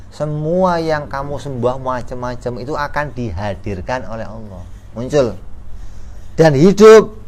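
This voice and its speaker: Male religious teacher, animated joking delivery with acted-out dialogue, slight room noise. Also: medium pitch. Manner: lively, joking, slangy, acts out dialogues. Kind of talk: casual religious study lesson. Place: study gathering room.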